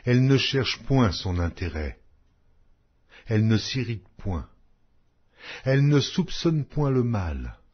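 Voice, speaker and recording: A man reading scripture aloud as a scripted audiobook, solemn and measured, with declamatory phrasing. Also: medium pitch, very animated, breathy edge. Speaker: audiobook Bible reader. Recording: dull lo-fi audio.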